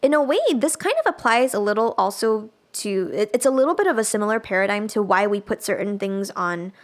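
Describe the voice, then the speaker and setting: A woman giving a casual live software tutorial as a music production instructor, thinking aloud as she demonstrates. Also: mid-range voice, lively intonation, fairly quick.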